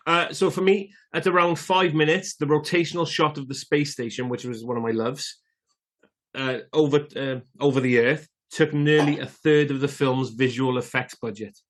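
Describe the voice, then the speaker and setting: A man's voice: on the high side, fairly even intonation, moderate pace. A British man co-hosting a film podcast, talking bluntly and reading out film trivia, with casual swearing. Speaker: podcast co-host.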